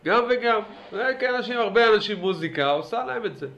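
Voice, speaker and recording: Man, lively lecture voice, slightly high pitch, urging, questioning listeners. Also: vocal fry, highs cut off, a little hiss or hum. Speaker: Torah teacher.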